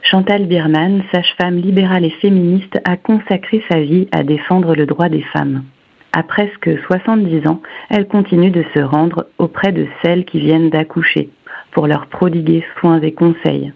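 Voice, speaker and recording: A caller reading out an event announcement in a steady read-out way. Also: mid-range voice, moderate pace, creaky, breathy edge. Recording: phone line.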